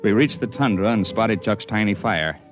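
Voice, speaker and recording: Man doing a low-voiced joking mountain climber, old radio show, faint music behind. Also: expressive, normal speed, lo-fi sound, natural voice. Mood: telling. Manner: wry, joking. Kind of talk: 1950s radio drama narration.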